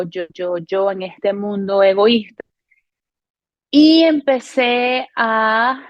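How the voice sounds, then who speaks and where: A woman in her thirties from Venezuela gives a personal faith testimony to camera, in an earnest, unhurried way with frequent hesitations and self-corrections. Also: medium pitch, dry recording, muffled recording. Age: 30s. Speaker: testimony speaker. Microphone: camera recording.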